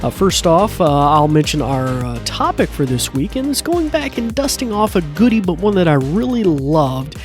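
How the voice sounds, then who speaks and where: A man's voice: on the high side, darkish tone, dry recording, studio quality. An American man presenting a podcast in a casual, chatty way, enthusiastic, folksy and rambling. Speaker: podcast host. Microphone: close dry podcast microphone.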